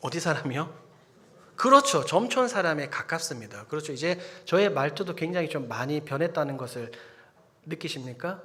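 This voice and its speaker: With a fairly high pitch and a bright, sharp tone, a man talks at a moderate pace with lively intonation and long, frequent pauses, and audible room echo surrounds him. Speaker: preacher. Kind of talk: sermon. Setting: church evening service. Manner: engaging, asks the congregation questions.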